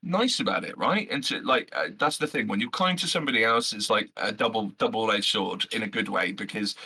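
A man, a loud and brash podcast guest talking passionately with lots of fillers and some swearing. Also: lowish voice, brisk, breathy edge. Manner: animated, swears freely, many fillers. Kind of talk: passionate casual chat.

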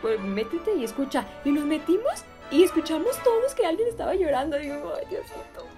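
Mexican woman telling a spooky story, super animated, laughs a lot, music behind. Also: high voice, a little fast. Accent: Mexican Spanish. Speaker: podcast co-host. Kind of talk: casual chat telling a ghost story.

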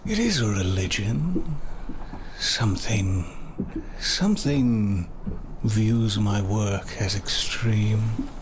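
A man acts out a zealous, unhinged prisoner from a horror fiction podcast. His lowish voice drags through cryptic, repetitive vows of faith with solemn weight. Clear ambient noise sits behind him. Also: animated. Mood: zealous, insistent. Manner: halting, repetitive, solemn declarations. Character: crazed devout male prisoner, zealous and cryptic.

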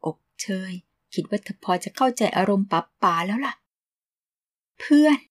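Woman narrating a romance novel, slightly husky, calm steady storytelling. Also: medium pitch, brisk. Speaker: audiobook narrator. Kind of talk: novel reading.

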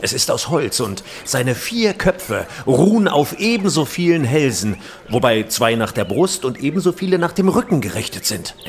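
A man's voice: mid-range voice, very animated, moderate pace, a little hiss or hum. A man playing a knowing, cautionary medieval trader in a historical audio drama, with formal, archaic phrasing. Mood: knowing, reverent.

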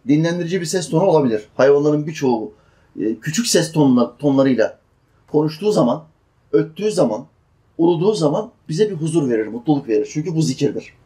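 A man's voice: a little high, warm tone. A man preaching a sermon, explaining Quran verses and asking his listeners questions. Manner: chants Quranic verses slowly, then explains in plain speech; asks the listeners questions and answers them.

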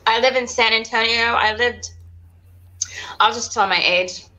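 A woman's voice: fairly high pitch, fairly even intonation, measured pace, sharp tone, poor audio. A woman in her forties from Texas, chatting casually as a podcast guest and telling a story. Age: 40s. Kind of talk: casual chat.

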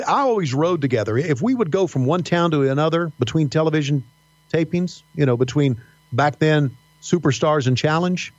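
A middle-aged man with a faint Southern American accent, telling stories as a podcast guest, halting with many fillers and restarts. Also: medium pitch, darkish tone, no echo. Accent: slight Southern American. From Virginia mountains. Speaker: podcast guest, wrestling announcer. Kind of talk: casual interview storytelling. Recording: dull dry podcast audio.

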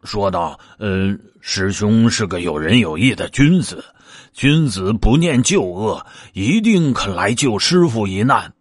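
A sly pig disciple coaxes and pleads, stumbling over fillers, as a man voices him. He talks slowly with a husky voice that rises and falls a lot. The recording is dry. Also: lowish voice, very animated, dry recording, heavily acted. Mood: coaxing. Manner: coaxing, pleading, hesitant fillers.

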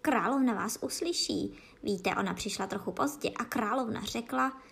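Timid storybook rabbit, hushed and jumpy, read by a woman. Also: a little high, gravelly. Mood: anxious. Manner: nervous, hushed, hurried. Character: timid, anxious white rabbit. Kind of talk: storybook reading.

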